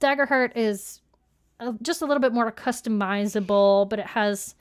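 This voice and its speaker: High-voiced woman co-hosting a chatty stream. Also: normal speed, clean tone. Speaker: show co-host. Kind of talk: casual livestream announcements and chat.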